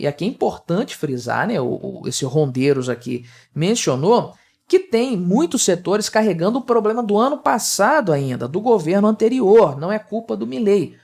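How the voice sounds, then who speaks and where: Chatty Brazilian man explaining economics. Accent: Brazilian Portuguese. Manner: conversational, frequent tag questions and fillers; lively, emphatic shifts of pitch on key words. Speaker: economics commentator. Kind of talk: solo explainer commentary.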